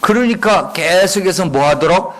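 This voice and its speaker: 예배당에서 설교하는 중년 남성 목사로, 회중에게 수시로 질문을 던지고 응답을 유도한다. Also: male voice, high voice, lively intonation, normal speed. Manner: call-and-response, frequent rhetorical questions. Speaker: guest pastor. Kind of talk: sermon. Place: church sanctuary.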